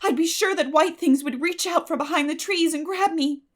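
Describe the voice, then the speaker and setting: Woman voicing a high, breathless, melodramatic little girl. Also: normal speed, lightly acted. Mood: thrilled dread. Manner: breathless, melodramatic, with gasps and whispers. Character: terrified, dramatic, imaginative little girl. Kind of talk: dramatic audiobook character acting.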